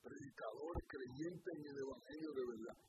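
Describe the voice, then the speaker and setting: A man's voice: mid-range voice, moderate pace, background noise. A man from Puerto Rico with a Puerto Rican accent, hosting a Christian radio talk show, questioning and repeating himself as he goes. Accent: Puerto Rican Spanish. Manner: animated, questioning, trails off and repeats words.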